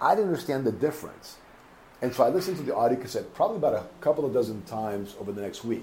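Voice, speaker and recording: A man speaks at a very fast pace and a medium pitch. His voice is somewhat breathy, with very wide pitch swings. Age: 40s. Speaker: success coach. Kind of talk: motivational monologue podcast. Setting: on a cruise ship terrace. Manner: fast talker.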